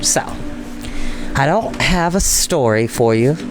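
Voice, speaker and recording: A man's voice: medium pitch, animated, takes it slowly, poor audio. An American man hosting a storytime show, talking informally and earnestly to online viewers with emphatic, repeated phrases. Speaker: host of a storytime reading show. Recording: soft meditation music behind the voice. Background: meditation music.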